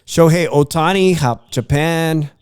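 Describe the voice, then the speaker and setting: A man's voice: fairly high pitch, measured pace, darkish tone, clean tone, no echo, studio quality. A congested man hosting a sports podcast, chatting casually about baseball and boxing, rambling with many uhs and restarts.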